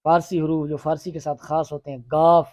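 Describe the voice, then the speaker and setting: A male teacher leads a classroom grammar lesson. He fires short questions at his students and makes them repeat forms back to him. His voice sits a little high and sounds close and dry, with no room echo. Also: little pitch movement, darkish tone, highs cut off. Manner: drills students with quick questions and repetitions.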